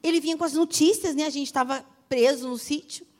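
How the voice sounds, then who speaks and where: A middle-aged woman pastor with a Brazilian accent preaching a sermon, emphatic and repetitive, swinging from loud declarations to soft storytelling. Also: sits high, a little fast.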